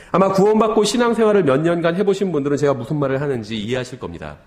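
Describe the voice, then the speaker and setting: A middle-aged man preaching a Sunday sermon, his voice riding a fairly high, very animated pitch. He speaks to the congregation like a friend, asking rhetorical questions and slipping into the fretful voices of believers. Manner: acts out worried voices of believers. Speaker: pastor.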